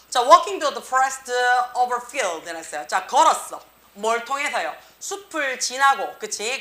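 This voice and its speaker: A woman teaching an English grammar class, checking in with the students after nearly every phrase. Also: a little high. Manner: tag question after nearly every phrase, lively reading. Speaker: English teacher at a cram school. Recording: echoey room.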